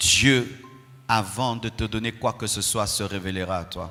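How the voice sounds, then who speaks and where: A man at a very slow pace, fairly low in pitch, with ordinary pitch variation and music in the background. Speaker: pastor. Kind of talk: sermon. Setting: church service. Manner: calm, not shouting.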